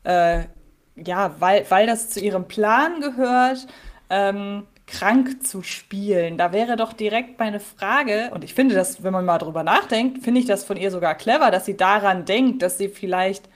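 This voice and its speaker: A woman's voice: medium pitch, measured pace. Chatty woman podcast co-host. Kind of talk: casual chat.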